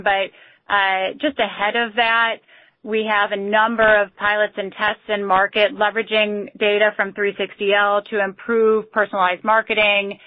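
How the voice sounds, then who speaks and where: A woman company executive answering questions on an earnings call in measured corporate language. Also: mid-range voice, dry recording. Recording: muffled, band-limited conference call audio.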